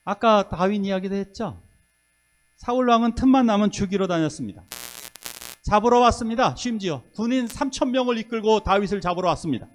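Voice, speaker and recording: Animated high-voiced male pastor. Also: fairly quick. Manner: lively storytelling sermon, acting out quoted voices. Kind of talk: sermon.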